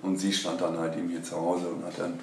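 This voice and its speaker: A man's voice: deep voice, level tone, quick pace, vocal fry, darkish tone. A man in his thirties chatting casually in an interview at home, recorded in a roomy space. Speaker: husband and soldier being interviewed. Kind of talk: casual chat. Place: at a dining table at home. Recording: roomy, distant, faint background noise.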